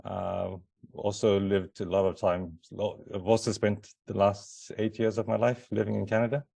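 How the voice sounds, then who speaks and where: A man's voice: lowish voice, level tone, normal speed, gravelly, warm tone, slightly rough, no echo. A middle-aged man from Zimbabwe giving a conference talk, hesitant, with many fillers and restarts. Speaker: conference presenter.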